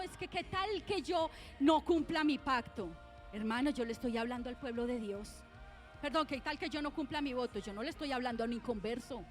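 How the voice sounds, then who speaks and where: A middle-aged female pastor with a Colombian Spanish accent delivers a sermon in a high, fairly bright voice. She exhorts her congregation and peppers them with question after question while faint music plays underneath.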